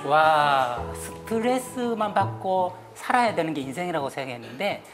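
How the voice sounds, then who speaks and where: A woman giving a lively talk show lecture, acting out little scenes and having the panel repeat her lines. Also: low-pitched, normal speed, soft background music. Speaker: guest lecturer on stress.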